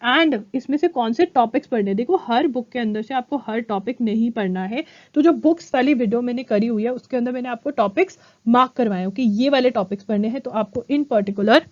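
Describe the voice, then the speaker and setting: A woman's voice: fairly high pitch, dry recording, highs cut off. Direct young woman coaching students. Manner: direct, repeats key points, checks in with "ठीक है?". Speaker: exam coaching educator. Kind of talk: Hinglish exam-prep lesson to camera.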